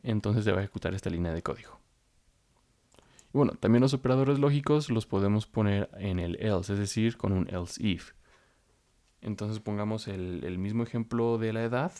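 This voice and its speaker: Male coding instructor, lowish mellow voice, patient step-by-step delivery. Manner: explains step by step while thinking aloud. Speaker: programming instructor. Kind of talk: screen-recorded coding tutorial.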